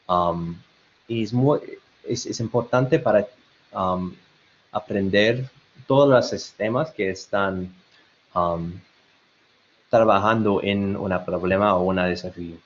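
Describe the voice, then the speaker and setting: Over dull, lo-fi web call audio, a man with an American-tinged Spanish accent gives an online webinar presentation. He speaks slowly at a fairly low pitch, hesitating with many fillers and restarts.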